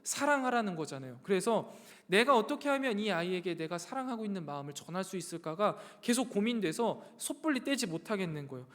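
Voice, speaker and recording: A man pastor giving a youth sermon, talking conversationally and asking the congregation questions. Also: high voice. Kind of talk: youth sermon with personal story. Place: church sanctuary. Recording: echoey church hall reverb.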